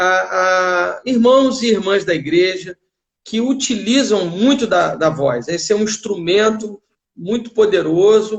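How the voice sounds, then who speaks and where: A middle-aged pastor hosting a church live stream over a video call, affirming and repeating back points. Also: male voice, high voice, gravelly.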